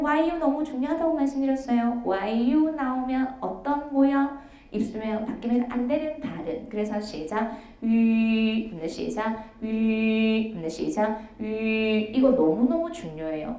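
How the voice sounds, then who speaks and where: A woman teaching an online language lesson, briskly cueing each sound and modelling it again and again for students to repeat. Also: sits high, warm tone. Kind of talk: online lecture with call-and-response drills. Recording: echoey room.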